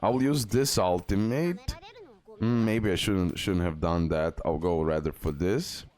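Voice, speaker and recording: A low-voiced gaming YouTube host, a little mellow and measured in pace, guides viewers through a game casually. He repeats himself and checks in often as music plays beneath the commentary.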